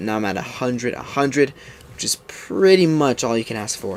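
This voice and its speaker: With an American accent, a man speaks at a fairly quick pace and medium pitch with lively intonation, over noticeable background noise. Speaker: gaming YouTuber. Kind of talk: gameplay commentary.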